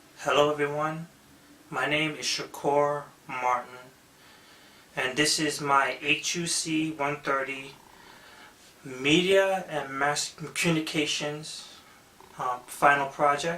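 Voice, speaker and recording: A fairly high-pitched man, very slow and monotone with flat intonation, with long, frequent pauses and noticeable background noise. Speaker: student. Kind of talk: class presentation.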